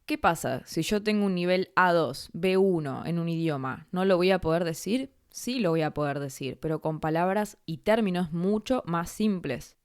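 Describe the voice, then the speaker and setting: A woman's voice: lowish voice, animated, moderate pace, hardly any pauses, a little mellow, clean tone, dry recording, studio quality. A woman with a Rioplatense Spanish accent, a Spanish teacher hosting her own podcast and talking through ideas in a thoughtful, conversational way. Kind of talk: solo educational podcast monologue.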